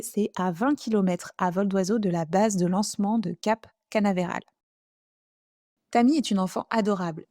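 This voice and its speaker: French woman telling a true crime story, casual and chatty, warm tone. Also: mid-range voice, no echo, clean studio sound. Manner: chatty, conversational, with asides.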